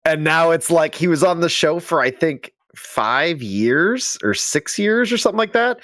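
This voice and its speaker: A man co-hosting a casual chat show, chatty and quick to joke. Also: fairly high pitch, animated, bright, forceful tone, no room sound, studio quality. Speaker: podcast co-host.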